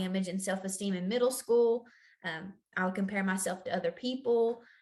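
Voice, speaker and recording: This woman's voice sits at a medium pitch, her intonation fairly even and her tempo moderate. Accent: Kentucky. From Kentucky. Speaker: eating disorder recovery coach. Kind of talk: interview.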